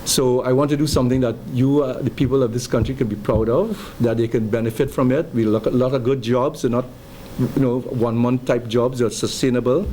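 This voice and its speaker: A man, from Guyana, speaking off the cuff to the press with halting phrasing and frequent restarts. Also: mid-range voice, fairly even intonation, mellow, slight background noise. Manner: halting, with many restarts and fillers. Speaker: entrepreneur at a media conference. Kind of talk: unscripted remarks to press.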